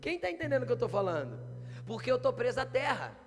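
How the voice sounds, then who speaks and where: A man preaches a sermon in a high, bright tenor, often putting questions to his congregation. His voice rings through a church hall with a long reverb tail. Soft guitar music plays faintly behind him. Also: huge pitch swings, quick pace.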